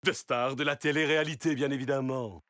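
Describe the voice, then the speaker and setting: A man's voice: mid-range voice, steady tone, fairly quick, fairly bright tone, no room sound, studio quality, lightly acted. A man voicing a flamboyant, sarcastic TV show host and magician in a French-dubbed cartoon, theatrical, pompous and mocking. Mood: mocking flattery.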